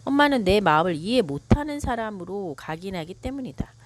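A woman reading a book aloud and adding her own commentary. She speaks slowly and reflectively, with frequent hesitation fillers. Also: medium pitch, big pitch swings. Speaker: author and counselor.

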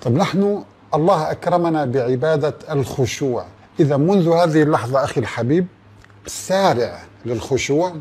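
Man, middle-aged, husky voice, earnest preaching, rhetorical questions, direct address. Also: a little high, animated, brisk, darkish tone. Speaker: religious speaker. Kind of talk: religious talk to listeners.

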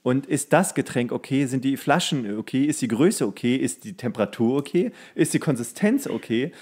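A man's voice: mid-range voice, expressive, moderate pace, a little mellow, slightly rough. Grumbling, crude man ranting casually. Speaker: podcast co-host. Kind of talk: casual chat, ranting banter.

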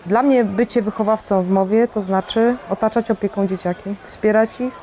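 Woman, medium pitch, mellow, articulate youth educator reflecting in interview. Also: steady tone, normal speed. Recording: faint background noise.

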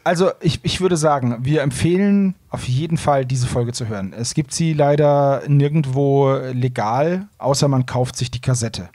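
A man's voice: medium pitch, moderate pace, few pauses, dark tone, dry recording. A man hosting a podcast, chatting casually about audio dramas. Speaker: podcast host.

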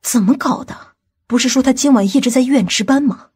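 A domineering aunt from an audiobook drama, acted by a woman. Her voice sits fairly high with a slightly husky edge. She talks in a bossy, scolding way, quick to show irritation. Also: darkish tone. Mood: indignant.

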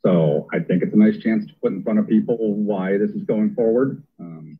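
Man, low husky voice, meeting chair, conversational, thin phone-like audio. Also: normal speed. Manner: conversational, thinks aloud with fillers. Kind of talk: meeting discussion.

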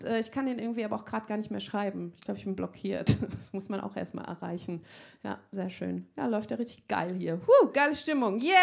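A woman's voice: on the high side, creaky. A young woman performing a stand-up comedy set on a club stage, brash and unfiltered, often laughing at her own jokes.

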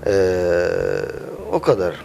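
A cafe owner in his thirties answers interview questions hesitantly, filling pauses with sounds, into a handheld mic the interviewer holds in his small cafe. His voice is low, animated, mellow, and slow, with faint music behind.

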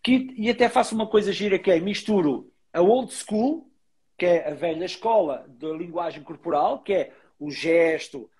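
A man's voice: high voice, moderate pace, a little mellow. A middle-aged man with a European Portuguese accent, a body language expert explaining emphatically in a casual interview. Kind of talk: casual interview over a live video call.

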